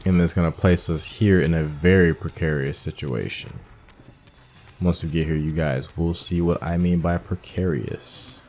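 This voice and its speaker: A man's voice: low voice, fairly even intonation, a little slow, a little mellow, faint music behind. A man giving casual let's-play commentary on a video game, musing aloud as he talks through each step. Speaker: gaming streamer playing through a video game.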